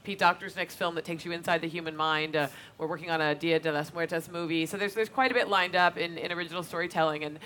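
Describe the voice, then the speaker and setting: A woman with a lowish voice speaks on a film panel in front of an audience. She answers fluently and in a friendly way, dropping in small "uh" fillers, with faint noise behind her. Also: fast talker, few pauses, a bit bright. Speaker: filmmaker on a panel. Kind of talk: live Q&A answers.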